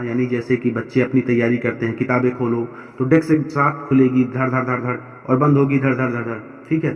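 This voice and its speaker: A male English teacher with an Indian accent, explaining a textbook line by line, reading each English phrase slowly and then explaining it in Hindi. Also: medium pitch. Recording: dull lo-fi sound in an echoey room with long reverb.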